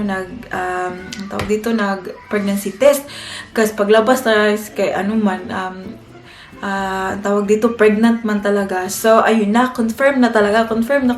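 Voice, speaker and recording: A young Filipina woman telling a personal story in a chatty vlog, often turning to her viewers. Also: mid-range voice. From Philippines. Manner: chatty, keeps addressing viewers as guys. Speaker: family vlogger. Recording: echoey room with faint music.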